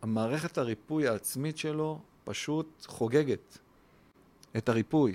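A very slow pace and ordinary pitch variation, in a very clean recording with a silent background. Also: man. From Israel, Rishon LeZion. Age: 50s. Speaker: emotions therapist and podcast co-host. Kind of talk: casual conversation. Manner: halting.

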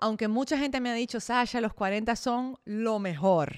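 A woman talks fairly slowly at a fairly high pitch in an animated tone. The recording is very clean, with a silent background. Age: 30s. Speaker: fitness influencer and podcast host. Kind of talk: casual monologue.

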